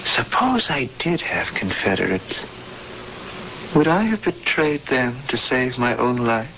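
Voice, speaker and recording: A man's voice: medium pitch, expressive, measured pace, creaky, sharp tone, full character voice. A man acting in a 1970s radio drama as an earnest, fatalistic prisoner and would-be rebel, speaking in solemn, formal phrases. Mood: resigned, earnest. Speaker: actor playing a cellmate. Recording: dull, noisy vintage radio broadcast.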